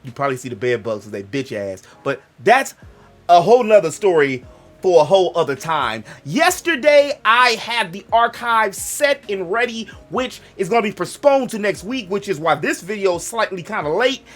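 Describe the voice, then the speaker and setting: Rambling black American man, lively pitch. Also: brisk, faint music behind. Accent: African American English. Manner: loose, joking, digressive, self-interrupting. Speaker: gaming channel host. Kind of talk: rambling casual monologue.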